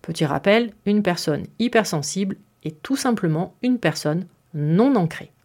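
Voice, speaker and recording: A woman's voice: fairly low pitch, expressive, moderate pace, a little mellow. A woman hosting a podcast, explaining her topic in a chatty, casual way with fillers and little asides. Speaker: podcast host.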